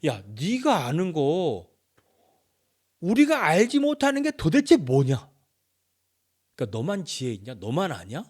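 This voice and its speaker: A man's voice: medium pitch, big pitch swings, moderate pace, few pauses, a little mellow, husky. A man playing a boastful, scornful man taunting a suffering friend with rhetorical challenges.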